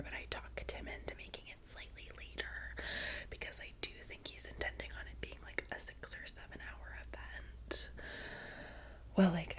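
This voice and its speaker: A woman playing a chatty, vain young assistant to a vampire in a soft-spoken ASMR roleplay, with an American Valley girl accent, breathy and rambling. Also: sits low, poor audio. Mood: apologetic, businesslike. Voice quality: breathy whisper. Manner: casual, rambling, filler-heavy Valley girl talk.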